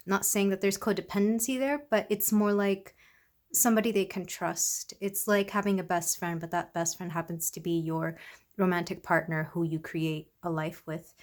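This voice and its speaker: A woman with a congested voice, recovering from illness, giving a soft, rambling tarot reading to her viewers. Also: lowish voice, fairly even intonation, normal speed. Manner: soft, rambling, with many fillers. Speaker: tarot reader. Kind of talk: casual tarot reading to camera.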